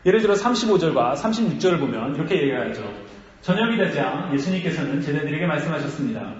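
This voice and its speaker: A male pastor preaching a sermon, talking in a lively way, asking the congregation questions and acting out quotes. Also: fairly high pitch, quick pace, roomy sound, big-room sound, lo-fi sound. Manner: animated, asks the congregation questions and acts out quotes.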